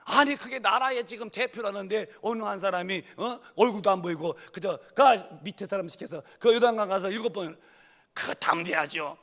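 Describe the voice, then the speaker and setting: A middle-aged man preaching a sermon as pastor, fervent and animated, acting out scenes with loud raised voices. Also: high voice, normal speed. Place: church sanctuary. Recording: long church reverb.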